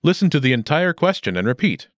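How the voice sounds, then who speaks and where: A male lesson narrator with a lively, varied pitch and very dry studio sound. He reads scripted instructions in a deliberate, carefully enunciated way. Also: no echo.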